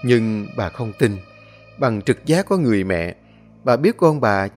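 A man narrating a ghost story in slow, measured storytelling. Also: medium pitch, sing-song, a little mellow, faint music behind.

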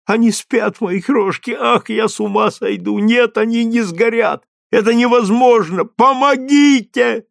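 A man's voice: very high voice, measured pace, creaky, few pauses, no echo, clean studio sound, voice pushed up, heavily acted. A man reading aloud and voicing a desperate peasant mother who pleads with wailing cries for her children. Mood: frantic.

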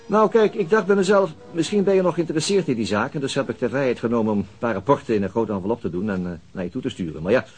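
An actor playing an earnest, patient police detective in a radio drama, explaining things in a thoughtful, hesitant way with a husky voice. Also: male voice, medium pitch, animated, rapid-fire, hardly any pauses, a little mellow, faint music behind, natural voice. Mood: careful. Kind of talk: Dutch radio drama dialogue.

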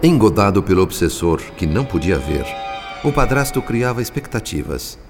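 A man with a Brazilian accent delivers solemn, formal scripted narration for a radio drama, with faint music behind him. His voice sits on the low side, swings widely in pitch, and moves at a moderate pace.

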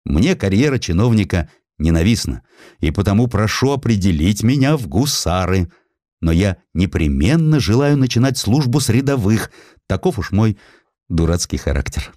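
A man's voice: lowish voice, very animated, normal speed, a little mellow, no echo, studio quality. A man voicing a proud, stubborn young hussar in an audiobook, speaking in resolute declarations. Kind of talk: audiobook character dialogue.

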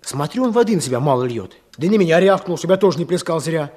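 An actor playing an earnest, businesslike village man with a husky voice in a radio play. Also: fairly high pitch, expressive, quick pace, darkish tone. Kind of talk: Soviet radio play acting.

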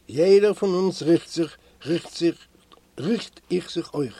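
A male reader gives voice to a young prisoner in a storybook, burning with fever and pleading weakly but urgently. The voice sits fairly high for a man and stays mellow. The sound is dry and close. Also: slow, breathy edge, dry recording, full character voice. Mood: feverish.

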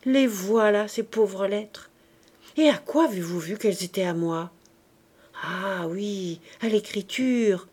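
A woman voicing a poor, brash young girl who chatters loudly and boastfully. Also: mid-range voice, slow, slightly rough. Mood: excited. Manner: loud, eager, boastful chatter.

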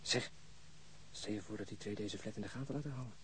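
A man's voice: on the low side, quick pace, fairly bright tone, a little hiss or hum, natural voice. An actor in a radio drama playing a wry, uneasy policeman with a dry, sardonic, muttering manner. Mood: wary, grumbling. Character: wry, uneasy policeman searching a flat, Lennart. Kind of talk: naturalistic radio drama acting.

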